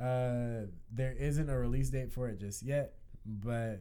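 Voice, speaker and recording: With audible room echo, a man speaks at a fairly slow pace in a medium pitch with a dark, mellow tone. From Los Angeles (Mid City). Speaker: music producer and DJ. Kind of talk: casual chat.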